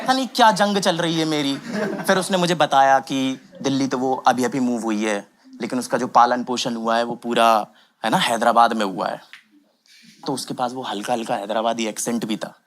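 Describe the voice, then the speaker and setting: A young man performing a stand-up comedy set, telling a story with animated acted quotes. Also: medium pitch, normal speed. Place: comedy club stage with audience. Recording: loud background noise.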